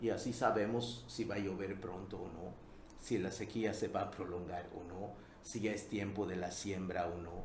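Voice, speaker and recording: A man speaks at a moderate pace with a Yucatán accent and ordinary pitch variation, and the room echo is audible. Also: fairly low pitch for a man. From Yucatán, Mexico (rural Maya village). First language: Yucatec Maya (speaking Spanish). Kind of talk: public talk. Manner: hesitant, with repetitions.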